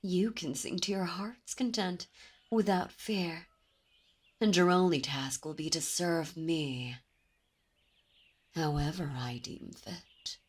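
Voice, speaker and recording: A woman voicing a dominant, possessive demon princess in an ASMR roleplay, speaking in a silky, commanding way with soft whispers. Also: on the low side, fairly even intonation, takes it slowly, long pauses, breathy edge. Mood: seductive. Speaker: voice actor. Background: birdsong and ambient sound effects.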